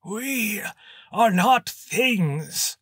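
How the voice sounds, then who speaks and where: A man voicing a scrawny cloned homunculus creature with a squeaky, wheezing voice and slow, gloating menace. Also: lively intonation, fairly bright tone, breathy edge, no echo, studio quality, heavily acted. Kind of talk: audiobook character voice.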